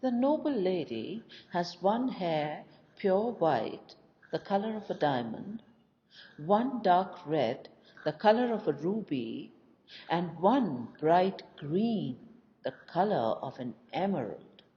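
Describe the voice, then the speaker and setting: A woman reading the part of a polite, earnest young male peasant in a storybook, with measured delivery. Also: lowish voice, sing-song, mellow. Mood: solemn. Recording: dull lo-fi recording with faint noise.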